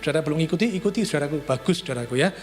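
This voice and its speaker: High-voiced man preaching a lively sermon. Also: rapid-fire, soft background music. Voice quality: lively storytelling, addresses congregation as brother. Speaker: pastor.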